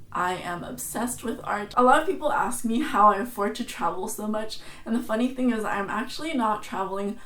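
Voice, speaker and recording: A young woman from San Francisco with an American accent talks casually to her viewers about herself. She is chatty and self-mocking, with a middle-pitched voice. The room around her sounds roomy and echoey. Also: fairly bright tone. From San Francisco, USA. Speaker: travel and food vlogger. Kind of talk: casual chat to camera.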